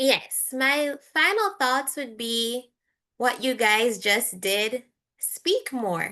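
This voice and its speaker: Speaking very slowly in a Jamaican accent, a woman uses a raised, projected voice with high pitch, lively intonation and a bright, sharp tone. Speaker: student debater. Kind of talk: workshop remarks.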